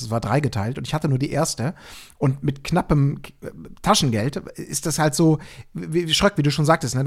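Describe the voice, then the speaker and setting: A man talking casually and explaining things as a podcast co-host. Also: fairly high pitch.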